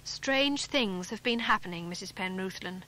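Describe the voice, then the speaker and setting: A woman's voice: mid-range voice, expressive, moderate pace, pushed and bright, low-quality recording. Woman reading a sober sensible boy. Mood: earnest. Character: earnest teenage boy, sensible eldest child.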